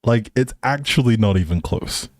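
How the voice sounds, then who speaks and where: A man's voice: mid-range voice, expressive, moderate pace, dry recording, clean studio sound. A man hosting a livestream, chatting casually and informally straight to his viewers. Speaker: livestream host.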